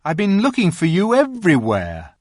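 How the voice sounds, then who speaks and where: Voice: medium pitch, huge pitch swings, moderate pace, a little mellow, no room sound, studio quality, voice pushed up. A reader voicing a sulky, greedy young boy in a storybook reading. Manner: sullen, pleading. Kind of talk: audiobook reading.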